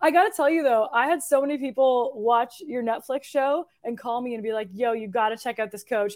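Against a very clean recording with a silent background, a woman talks at a fairly quick pace in a high voice with lively intonation. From Canada, Hamilton Ontario. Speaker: comedian and YouTuber. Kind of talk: casual chat.

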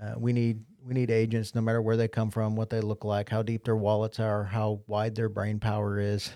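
A man's fairly low, dark and mellow voice, monotone and flat, at a fairly quick pace with hardly any pauses, on a very clean recording with a silent background. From moved around the US, mostly Texas ties. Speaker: real estate association executive. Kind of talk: podcast interview. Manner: halting, many fillers.

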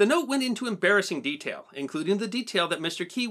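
Lively intonation in a natural reading voice

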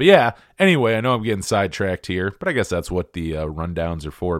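Very fast and with lively intonation, a man speaks in an American accent. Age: 30s. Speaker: music podcast and radio host. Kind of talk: solo casual monologue. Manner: rambling with many fillers and restarts.

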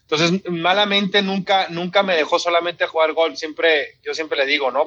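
A man speaks at a very fast pace. His tone is bright and sharp. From Mexico, Mexicali (Baja California). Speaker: golf coach. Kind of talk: interview. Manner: hesitant, repeats words.

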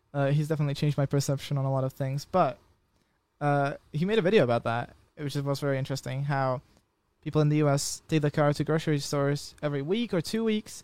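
Someone with a Czech accent speaks at a very fast pace. The recording is very clean, with a silent background and a dry, close sound with no echo. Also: man. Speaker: music producer and singer. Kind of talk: casual chat. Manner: animated.

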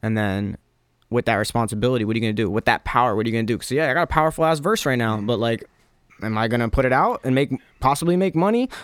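A man with a New Jersey accent talks at a very fast pace and medium pitch, with ordinary pitch variation. The sound is dry and close with no echo. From New Jersey (Paterson, later Sussex County). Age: 30s. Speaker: rapper. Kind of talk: casual chat. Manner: laid-back, filler-heavy speech.

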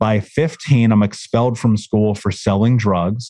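Against a quiet background, a man with a Midwestern American accent speaks at a very slow pace. His fairly low pitch carries a dark, mellow tone and fairly even intonation. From US Midwest (Indianapolis). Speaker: motivational speaker and coach for trauma survivors. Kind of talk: interview, personal testimony.

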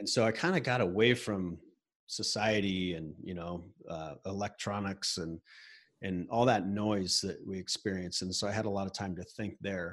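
Against a quiet background, a man with an American accent speaks in a plain, everyday voice. His pitch is fairly low, his pace moderate and his intonation fairly even. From Montana. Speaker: board game inventor and business owner. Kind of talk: interview.

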